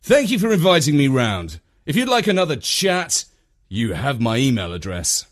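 A man's voice: mid-range voice, wildly swooping pitch, normal speed, pitched above the performer's own voice. Guy doing a well-meaning awkward storybook gent, polite and earnest, voice jumping around a lot. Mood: polite, deflated. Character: well-meaning, eager, awkwardly diplomatic gentleman.

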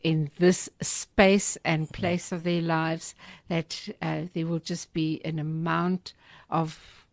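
A woman's voice: deep voice, level tone, slow pace, hardly any pauses, no echo. A woman hosting a Christian talk show, speaking in a prayerful, affirming way. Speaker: host.

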